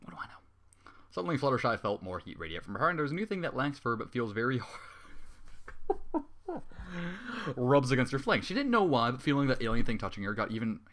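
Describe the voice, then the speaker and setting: A man's voice: mid-range voice, big pitch swings, fairly quick, long pauses, a bit bright. Exasperated, sarcastic man reading aloud. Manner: exasperated, sarcastic, swears often. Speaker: story reader. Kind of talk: dramatic reading with angry commentary.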